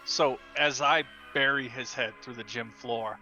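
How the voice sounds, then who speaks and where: Dude playing a tabletop rpg, bright punchy voice, halting casual chat, music underneath. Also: male voice, medium pitch, steady tone, highs cut off. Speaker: tabletop game player.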